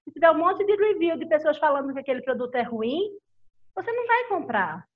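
A woman speaks in a high voice with a Brazilian Portuguese accent. She talks conversationally, as in a discussion among peers, sharing personal stories. The recording is a little dull and lo-fi. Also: very animated, brisk.

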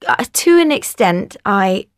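A woman taking part in a group discussion, talking hesitantly with many pauses and restarts. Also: medium pitch, big pitch swings, no echo, clean studio sound. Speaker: discussion participant.

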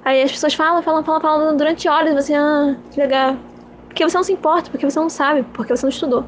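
High-voiced young woman musing aloud. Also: steady tone, rapid-fire, slight background noise. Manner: musing, self-mocking, repeats herself. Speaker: podcast host. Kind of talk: casual rambling monologue.

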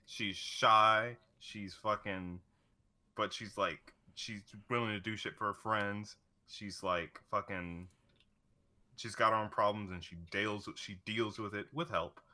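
A young man with a fairly low but very bright, forceful voice talks as an excited anime fan. He gushes casually and crudely, swearing often, like a co-host chatting with a friend. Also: takes it slowly. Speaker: co-host of an anime discussion show. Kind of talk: casual chat.

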